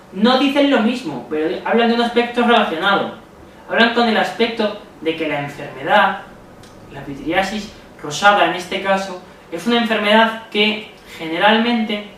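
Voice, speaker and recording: Man, Spain Spanish accent, high voice, methodical tutor; distant mic, faint noise. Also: fairly bright tone. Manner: methodical, checks in with listeners often. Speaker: medical exam tutor. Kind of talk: exam-strategy lesson. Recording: very echoey room, voice far from mic, faint noise.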